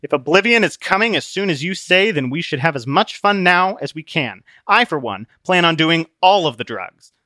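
A man's voice: on the high side, lively intonation, moderate pace, few pauses, sharp tone, dry recording, studio quality, voice pushed up. Man doing a smug brutish armored bully. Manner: mocking, smug.

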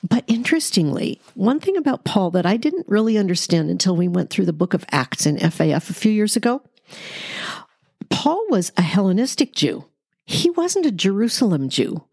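A woman's voice: mid-range voice, sing-song, moderate pace, a little mellow, breathy edge, dry recording, studio quality. A woman hosting a Bible study, explaining scripture conversationally in an explanatory, emphatic way. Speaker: Bible study podcast host.

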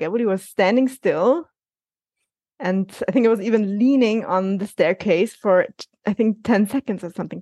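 A woman coaching guest speaking gently and reassuringly in a conversational interview, often restarting her sentences. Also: mid-range voice, no echo.

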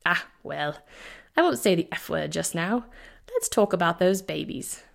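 A woman voicing a brisk, wry older woman doctor with a British accent and a dry, teasing manner. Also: lowish voice, very animated, creaky, exaggerated voice.

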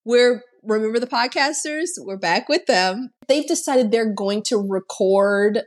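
A woman's voice: a little high, lively intonation, a little slow. Chatty sarcastic woman recapping a film. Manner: chatty and sarcastic, heavy use of "like". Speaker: podcast co-host.

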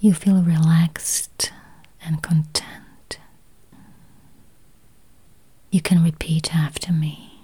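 A woman leads a guided meditation in a soft, whispery voice, gently speaking in short, spaced phrases. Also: deep voice, fairly even intonation, slow pace, slightly rough. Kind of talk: guided meditation, counting and affirmations.

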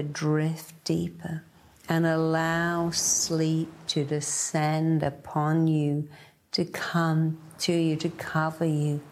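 Woman, guided sleep meditation, very unhurried pace, gravelly fry, soothing, repetitive short phrases. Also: sits low, darkish tone. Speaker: meditation guide, hypnotherapy-style narrator.

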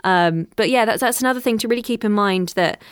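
A woman's voice: medium pitch, quick pace, smooth, dry recording. Chatty woman voiceover artist, dry sound. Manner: chatty, laughs often, self-deprecating. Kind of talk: casual interview chat.

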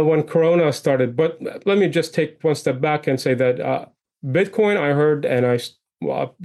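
A man's voice: mid-range voice, a little mellow. A man from Iraq, a guest on a podcast, telling his story in a chatty way with many restarts. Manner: chatty, with frequent restarts and fillers. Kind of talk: interview conversation.

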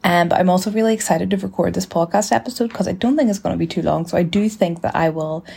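A woman in her twenties hosting a casual solo podcast, chatty and rambling in an informal, relaxed way. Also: on the low side, quick pace, slight background noise. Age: 20s. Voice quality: relaxed, slightly husky. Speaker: podcast host.

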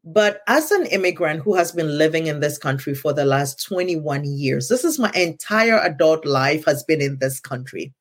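Ghanaian woman with a lively voice. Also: sits low, moderate pace, few pauses. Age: middle-aged. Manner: earnest, often adds "right?". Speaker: podcast host. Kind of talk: casual conversation.

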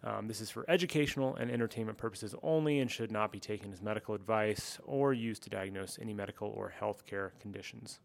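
A man's voice: fairly low pitch, fast talker, creaky, hardly any pauses. A man host reading a podcast intro and disclaimer in an earnest way, with filler ums.

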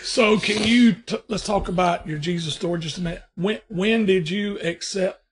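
High-voiced male interviewer. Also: normal speed, heavy background noise. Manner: brief, encouraging prompts. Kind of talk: casual interview.

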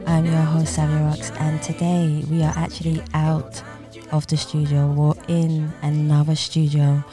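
A woman's voice: sits low, completely flat delivery, a little slow, over music. A woman hosting a podcast interview, enthusiastic and full of praise for her guest. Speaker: podcast host.

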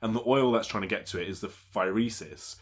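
A man's voice: lowish voice, fairly quick. A man co-hosting a casual podcast chat, talking bluntly with plenty of swearing and fillers. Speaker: podcast co-host.

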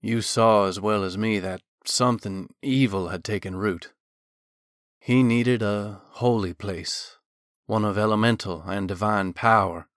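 A man plays a gentle village elder in a fantasy audiobook. The voice is low and hushed, close and dry. He speaks slowly, with fatherly sorrow. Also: no echo. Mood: sorrowful resignation.

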